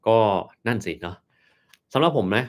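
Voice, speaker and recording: A man, a doctor, chatting casually on a live stream as he answers viewer questions, explaining at an unhurried pace with many fillers and pauses. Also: medium pitch, very animated.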